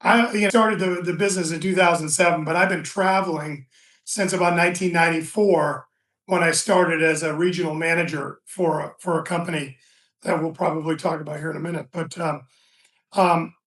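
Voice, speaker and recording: A man in his sixties, a guest telling relaxed stories in a casual interview, with frequent restarts and fillers. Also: fairly high pitch, normal speed. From Florida, USA. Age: 60s. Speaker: guest, business founder. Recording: distant mic.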